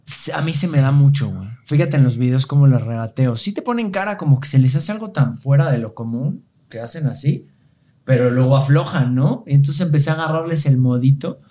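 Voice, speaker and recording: A man with a Mexican accent telling travel stories in an animated way, heavy with slang, in a casual podcast chat. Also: medium pitch, a little fast.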